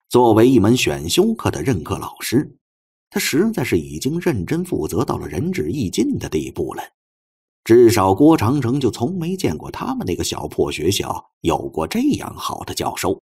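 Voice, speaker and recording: A man narrating a novel as an audiobook, in an expressive scripted storytelling style. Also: on the low side, husky.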